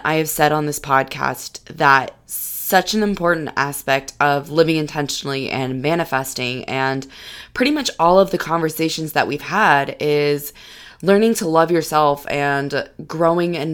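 A young woman hosting her own podcast as a lifestyle coach, hoarse from losing her voice, chatting warmly and encouraging listeners directly. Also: low-pitched, normal speed. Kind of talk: solo podcast monologue. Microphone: studio podcast mic.

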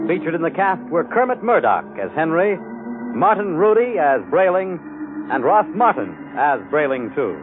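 An American man announcing in formal 1950s radio style, reading scripted credits. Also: a little high. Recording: tinny early 1950s radio recording. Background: music.

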